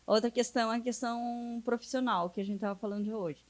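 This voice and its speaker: Woman in class asking a question, bit high voice, kinda unsure, feeling for words. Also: steady tone, fast, darkish tone. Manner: hesitant, searching for words. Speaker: student.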